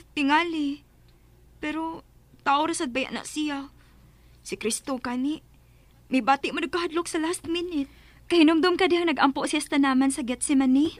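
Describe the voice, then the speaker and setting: A Bisaya Filipino woman playing a devout, easily offended friend, earnest and expressive, in a radio drama comedy. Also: high-pitched, no echo.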